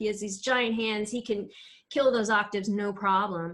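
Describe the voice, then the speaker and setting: A normal speaking voice with an American accent. The pace is moderate. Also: woman. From US Northeast. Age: 50s. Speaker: soprano and teacher. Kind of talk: interview.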